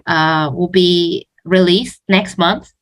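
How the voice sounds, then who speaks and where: A woman with a fairly low voice talks as a teacher answering questions. Her delivery is informal and explanatory, with halting phrases and words often said twice before she carries on. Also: steady tone. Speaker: exam prep teacher, interview guest.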